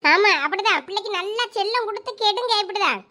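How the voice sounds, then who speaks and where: A woman playing a sharp-tongued village mother who nags and scolds. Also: very high-pitched, animated, fast, exaggerated voice. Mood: scolding. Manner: scolding, nagging. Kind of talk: comedy skit acting.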